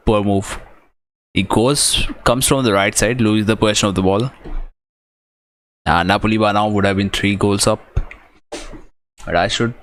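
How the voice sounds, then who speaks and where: A man's voice: on the low side, a bit bright, rough recording. A man with a South Asian accent giving live watch-along football commentary as a stream host, in short, fragmented play-by-play phrases.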